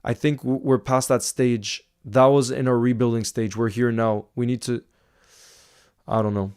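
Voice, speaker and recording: A man's voice: mid-range voice, level tone, normal speed, darkish tone, clear, resonant tone. Chatty man with an American accent. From half French, half Icelandic. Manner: chatty, emphatic, repeats words for stress. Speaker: football livestream host. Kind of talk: casual livestream chat reading viewer comments.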